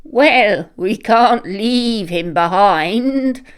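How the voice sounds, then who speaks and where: A woman's voice: mid-range voice, expressive, drawn-out words, clean tone. A woman voicing a cheerful, eager male ram with a bleating delivery for a children's storybook. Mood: kindly.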